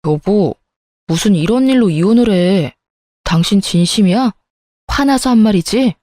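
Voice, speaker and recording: A woman's voice: medium pitch, lively intonation, unhurried, dark tone, no echo, lightly acted. A woman voicing an indecisive young husband who answers back defensively in a dramatized story reading. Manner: defensive, indignant.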